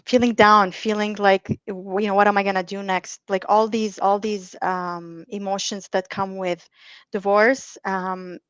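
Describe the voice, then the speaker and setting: A woman's voice: medium pitch, level tone, a little slow, fairly bright tone, clean tone, dry recording. A middle-aged woman from Lebanon, a divorce mediator, talking as a guest on a podcast, hesitant with many restarts and fillers. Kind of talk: podcast interview. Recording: dull, dry, lo-fi sound.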